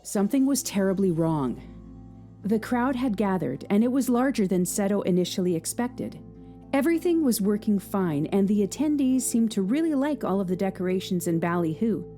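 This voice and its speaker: A woman narrating a dramatic story in a measured, scripted way. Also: medium pitch, mellow.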